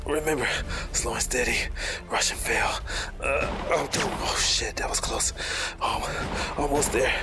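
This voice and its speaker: An exhausted climber acted by a man in an audio drama. He is out of breath and straining, his voice creaky and slow. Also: mid-range voice.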